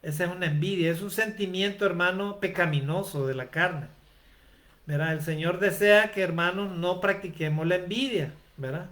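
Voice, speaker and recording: Delivering a sermon at normal speed, this preacher has a high-pitched, somewhat bright voice. He poses rhetorical questions, frequently ending with "¿verdad?", and calls those listening brother.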